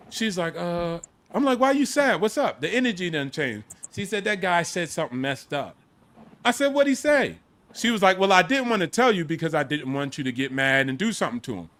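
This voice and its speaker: Male host, bright high voice, animated and boastful casual storyteller.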